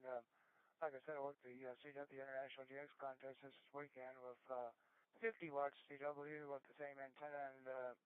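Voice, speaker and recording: A man's voice: a little high, clear, resonant tone, no echo. Ham radio man over a tinny transmission. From California. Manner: rambling, many fillers. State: losing his voice. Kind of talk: casual radio contact.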